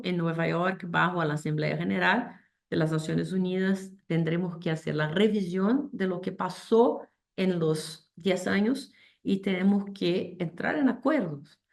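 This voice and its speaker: A woman with a low, gravelly voice presents to an online panel over a video call. Spanish is not her first language, and she talks haltingly, full of fillers, restarts and slipped-in English terms. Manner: hesitant, many fillers and restarts, code-switches English terms. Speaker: panel speaker.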